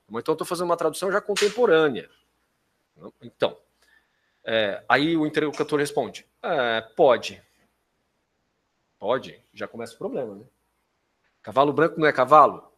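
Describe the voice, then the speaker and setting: A Brazilian man giving an academic philosophy lecture as a professor, didactic and halting, with informal asides and frequent check-in questions to his listeners. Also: on the high side, breathy edge.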